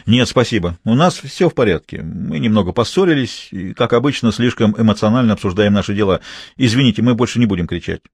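A man voicing a jealous, hot-tempered man yelling crude insults at his girlfriend. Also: lowish voice, expressive, fast talker, husky, no echo, studio quality. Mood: curt. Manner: yelling, contemptuous.

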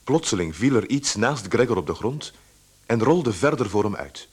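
A man's voice: fairly low pitch, very animated, moderate pace, husky. A man giving dramatic scripted narration for a radio play.

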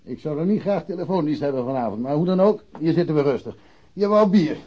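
A man's voice: on the high side, lively intonation, fast talker, dark tone, muffled recording. A man playing a blunt, jovial provincial policeman with a wry manner in a naturalistic radio drama.

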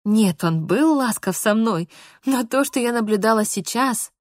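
A woman reading a first-person novel aloud, calm and measured. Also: fairly high pitch, dry recording, studio quality. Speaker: audiobook narrator.

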